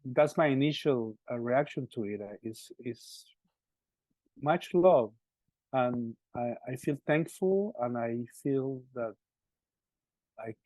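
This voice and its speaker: Colombian-accented man, halting speech. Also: mid-range voice, animated, a little mellow, no room sound, rough recording. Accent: Colombian Spanish. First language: Spanish. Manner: halting, many repeated words and restarts. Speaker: musician guest. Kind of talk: interview answers.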